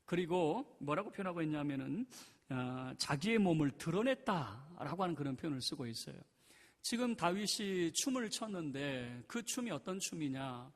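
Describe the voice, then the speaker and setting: A male pastor delivering a sermon in a church, asking the congregation rhetorical questions and building to loud emphatic passages. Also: fairly high pitch, very animated, normal speed, long reverb tail. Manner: rising to loud emphatic preaching. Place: church sanctuary.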